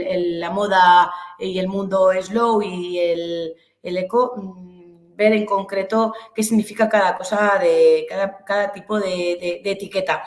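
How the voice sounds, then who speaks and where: A woman from Albacete in Castilla-La Mancha, Spain, speaks Castilian Spanish in a voice on the low side. As a webinar presenter and business instructor, she gives an informal online lecture, explaining hesitantly and searching for words. The room sound is echoey.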